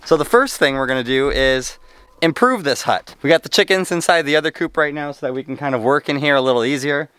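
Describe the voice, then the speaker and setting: Out in the snow doing farm chores, a young man vlogs about homesteading, holding the camera at arm's length and chatting cheerfully, even to his animals. He talks fast in a slightly high, fairly bright, smooth voice. The sound is dry.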